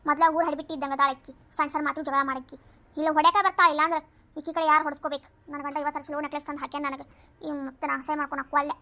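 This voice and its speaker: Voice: sits high, flat delivery, rapid-fire, sharp tone. A voice actor playing a defensive village woman from a cartoon, speaking with a North Karnataka accent and rattling off excuses. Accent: North Karnataka Kannada. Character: sharp-tongued village woman caught wearing another's sandals.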